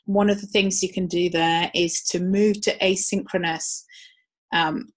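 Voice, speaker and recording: Low-voiced woman presenting a webinar. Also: fairly even intonation, a little slow. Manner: conversational, frequent ums. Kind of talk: live webinar talk.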